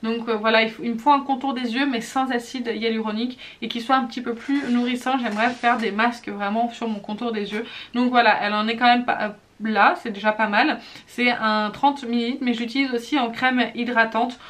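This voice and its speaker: A woman's voice: on the high side, fairly even intonation, a little fast, few pauses, fairly bright tone. Chatty French-speaking woman vlogger. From France. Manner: chatty and self-teasing, many fillers and restarts. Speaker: beauty vlogger. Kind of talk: casual product review vlog.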